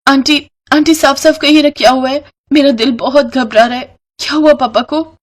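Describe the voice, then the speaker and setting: A woman's voice: sits high, fairly even intonation, normal speed, voice pushed up, close to an everyday voice. A woman voicing an innocent, anxious young daughter in a cartoon story, plaintive and pleading.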